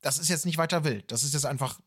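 A man's voice: fairly high pitch, fast, fairly bright tone, husky. A man hosting a conversational interview, circling around his questions with many qualifiers. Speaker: podcast host.

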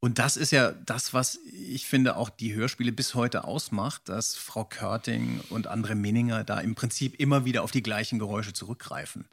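A man's voice: fairly low pitch, moderate pace, gravelly, few pauses, a bit bright, slightly rough. A middle-aged man chatting casually as a podcast host, inquisitive and enthusiastic about his subject.

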